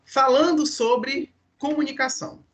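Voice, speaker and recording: A man's voice: very high voice, fairly even intonation, unhurried, a bit bright. A man lecturing a university class online, explaining step by step and often checking in with his students.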